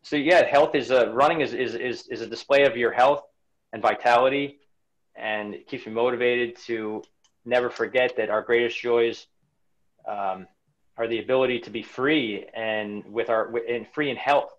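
Man, forties, interview guest on a home video call, reflective, halting, frequent restarts. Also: medium pitch, fairly even intonation, muffled recording. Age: 40s. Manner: reflective, many restarts and repeated words. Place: home room indoors. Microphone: webcam on a video call.

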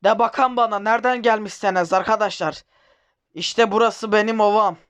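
A man's voice: high-pitched, steady tone, fairly quick, fairly bright tone, clean tone. A man voicing a rustic male warlord with a put-on Black Sea Turkish dialect, bossy and folksy, as comic role-play over a game. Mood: gruff.

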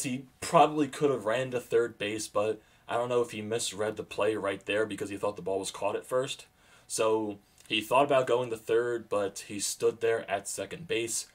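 A young man recapping a game as an excited fan at home, with bursts of loud enthusiasm and a sore, fading voice. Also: fairly low pitch. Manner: animated, rising to loud bursts on big plays. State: losing his voice, sore throat. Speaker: sports vlogger. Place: small room at home.

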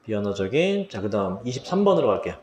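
A man with a fairly high, lively voice teaches English vocabulary for an exam at an unhurried pace, quizzing his students and then answering his own questions. There's noise in the background, and the room is echoey.

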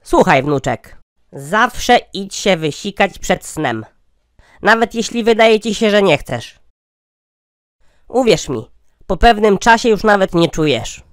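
A man voicing a droll, crotchety old grandpa in a cartoon comedy skit, drawing out deadpan punchlines. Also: high-pitched, slow, pauses often, clear, resonant tone, no room sound, studio quality, heavily acted.

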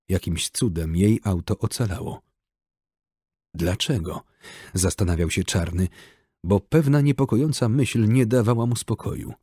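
A man reading an audiobook in steady, measured scripted narration. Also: sits low, slightly rough, no echo, clean studio sound.

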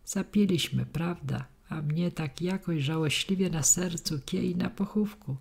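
A woman's voice: fairly low pitch, measured pace, vocal fry, darkish tone. A woman voicing a shrewd, wary old peasant mother who speaks plainly, in an audiobook reading. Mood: sorrowful.

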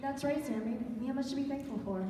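Lady as gentle 40s mom in a church play, mellow, distant and echoey. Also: sits high, quick pace, close to an everyday voice. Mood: hesitant. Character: patient, hard-working widowed 1940s mother. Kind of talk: scripted stage radio play acting. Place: large church auditorium, recorded from the audience. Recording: echoey hall from far off, faint noise.

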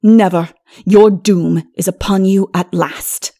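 A woman voicing a grave, stern king in a storybook, speaking in a measured, firm and solemn way. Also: mid-range voice, steady tone, gravelly, darkish tone, husky, full character voice. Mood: fierce. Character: grave, stern male king on a perilous journey.

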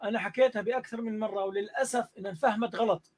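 A man with a Jordanian Arabic accent tells a story quickly in a very high voice. He acts out each exchange with animated energy. He is a music teacher speaking casually in a live online interview.

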